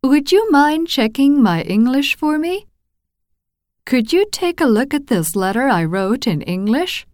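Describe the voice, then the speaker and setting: A woman reading example phrases for English learners, slow and clearly enunciated. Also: high-pitched, sing-song, darkish tone, no room sound, clean studio sound. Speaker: phrase reader.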